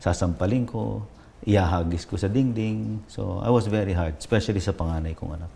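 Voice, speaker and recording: A man's voice: deep voice, brisk, vocal fry, mellow. A man, a pastor telling his personal testimony in a reflective way, switching between Tagalog and English. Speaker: pastor, interview guest.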